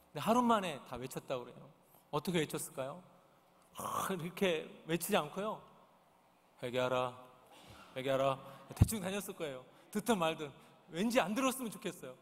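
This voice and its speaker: A high-voiced male pastor preaches to his congregation, earnest and searching, often turning his points into questions. His voice rings through a large church sanctuary with a long reverb trailing each phrase. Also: expressive, brisk. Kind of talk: sermon. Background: congregation present.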